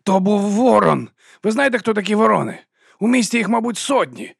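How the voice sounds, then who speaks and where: Petty official for a storybook: shrill, bossy, scolding, done by a man reading. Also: lively intonation, fairly quick, creaky, slightly rough, dry recording, clean studio sound, exaggerated voice. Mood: furious. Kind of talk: audiobook character voice.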